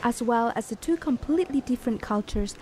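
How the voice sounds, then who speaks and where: A woman narrating a news feature in a measured, even reading voice. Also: a little high, a little hiss or hum. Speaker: news reporter. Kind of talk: scripted news voice-over. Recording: voice-over with music bed.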